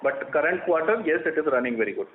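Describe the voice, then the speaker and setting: Male Indian-accented company executive, slightly high voice, explanatory and halting, on a thin echoey phone line. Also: expressive, slight background noise. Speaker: company executive answering analysts' questions. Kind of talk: earnings call question and answer. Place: conference call over a phone line.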